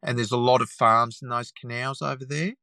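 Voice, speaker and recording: An Australian man with a croaky voice from a cold talks through a long explanation at a steady middle pitch, circling back and restarting his sentences. The sound is dry and close, with no room around it. He talks easily, as if chatting with a mate. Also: brisk, dry recording. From Tasmania, Australia. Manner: rambling explanations with many restarts and fillers. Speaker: guest taxidermist. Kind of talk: casual podcast chat.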